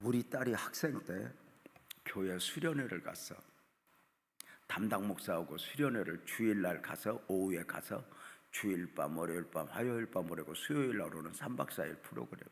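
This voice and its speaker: An older man, a pastor, preaching at an early-morning revival. He has a lowish voice and moves between hushed and loud as he tells his stories, with long reverb from the church sanctuary. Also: animated, normal speed. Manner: storytelling preacher, swings from hushed to loud, acts out quotes.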